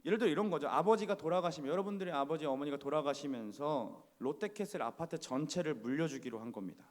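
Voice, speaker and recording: A man's voice: on the high side, fast talker. Guy pastor giving a sermon, chatty and asking questions, big reverby church sound. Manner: conversational, asks the congregation questions. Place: church sanctuary.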